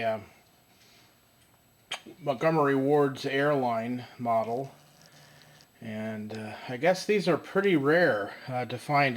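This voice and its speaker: A man casually showing his old radio at home, talking haltingly with lots of fillers and restarts. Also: mid-range voice, fairly bright tone, slight background noise. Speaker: radio collector demonstrating his radio. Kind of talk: casual show-and-tell. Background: faint music from the radio.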